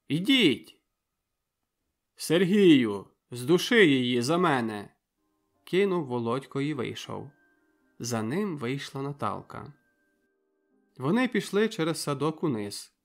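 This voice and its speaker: A man reading a novel aloud as an audiobook narrator, in calm, measured storytelling. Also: mid-range voice. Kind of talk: scripted literary narration.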